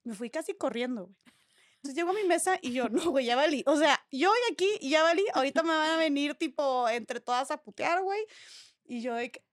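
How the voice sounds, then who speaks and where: A woman with a Mexican accent and a high voice tells a story on a podcast in loose, slang-heavy chat. She acts out what everyone said. The sound is close and dry, with no room around her. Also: a little fast, no room sound. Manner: slangy, vivid storyteller who acts out quoted lines. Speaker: podcast co-host.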